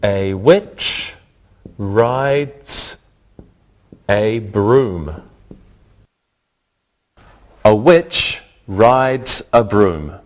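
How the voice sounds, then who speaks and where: Male lesson host, deep-ish voice, very slow, careful classroom delivery. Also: animated. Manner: slow, carefully pronounced, repeats words for learners. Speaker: English teacher and host. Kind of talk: scripted language lesson.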